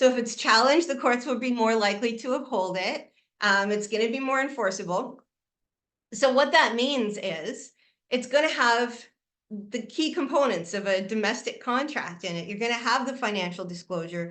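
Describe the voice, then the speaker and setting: Her intonation is lively and her pitch fairly high for a woman. Audible room echo colors the recording. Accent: Canadian. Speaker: family mediator. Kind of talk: webinar presentation. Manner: fast.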